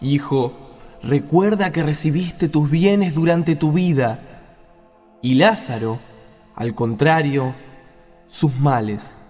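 A man playing a solemn, stern old patriarch with a measured delivery in a biblical radio play. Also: fairly high pitch, darkish tone, in a large hall, soft background music.

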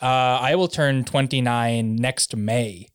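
A man's voice: mid-range voice, takes it slowly, clear, resonant tone, dry recording, studio quality. A man in his late twenties chatting casually and telling joking anecdotes among friends.

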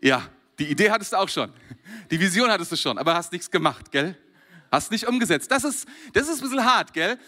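A man from Germany preaching a sermon to a congregation, animated and chuckling often between phrases. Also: high-pitched, fairly quick.

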